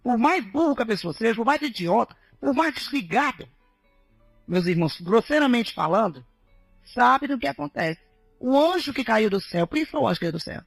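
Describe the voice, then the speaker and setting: Woman preacher, high gravelly voice, dry close sound, animated testimony to a congregation. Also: moderate pace, no echo, faint music behind. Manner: animated storytelling, addresses listeners as brothers. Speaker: missionary giving testimony.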